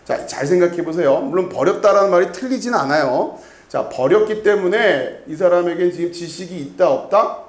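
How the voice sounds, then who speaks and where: A male pastor with a high voice and lively intonation preaches a fairly quick expository sermon in a church sanctuary, and the sound is roomy. Conversational in manner, he repeats key words and regularly puts questions to the congregation.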